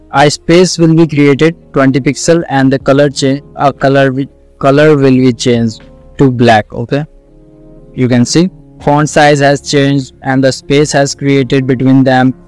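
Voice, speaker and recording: Slow, clear South Asian man teaching. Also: medium pitch, a little mellow. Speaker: coding tutorial instructor. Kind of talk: screen-recorded tutorial, explaining step by step.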